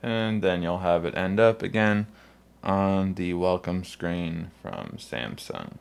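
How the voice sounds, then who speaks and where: A man's voice: low voice, takes it slowly, vocal fry, clean tone. A man hosting a casual step-by-step tech tutorial, talking the viewer through each step. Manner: spells out his name letter by letter in intro and sign-off.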